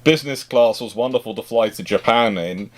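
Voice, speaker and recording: Male stream host, mid-pitched, conversational and rambling, often repeating words as he restarts. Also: a little fast. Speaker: livestream host. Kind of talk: casual chat.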